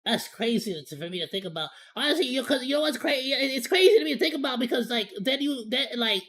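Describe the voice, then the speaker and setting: A woman's voice: high-pitched, expressive, fast, fairly bright tone. A woman streamer giving casual live reaction commentary, talking in an informal, joking, slangy way with some mild swearing.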